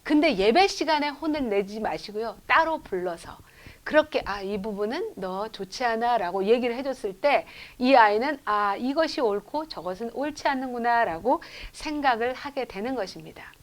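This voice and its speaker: A middle-aged woman professor giving a church education lecture, telling lively stories and asking the audience rhetorical questions. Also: fairly high pitch, normal speed. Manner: acts out children's lines in quotes. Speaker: professor lecturing at a lay school.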